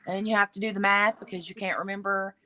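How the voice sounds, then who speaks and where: A woman's voice: mid-range voice, flat delivery, fast, pushed and bright, slight background noise. A woman in her forties, a guest in a casual live chat, talking in a laid-back way and chuckling now and then. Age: 40s.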